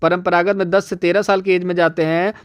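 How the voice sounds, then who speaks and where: A man's voice: high-pitched, flat delivery, brisk, smooth. A man teaching an exam-prep lesson, explaining step by step and speaking directly to viewers, often restating points. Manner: repeats and rephrases, addresses viewers directly. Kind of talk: explanatory lecture.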